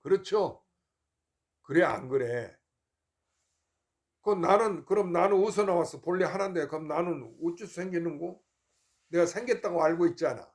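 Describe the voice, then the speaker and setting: Older monk preaching with a high voice. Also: male voice, moderate pace, long pauses. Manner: folksy and rhetorical, keeps asking listeners if they follow. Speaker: Buddhist monk giving a Dharma talk. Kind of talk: informal sermon to a temple congregation.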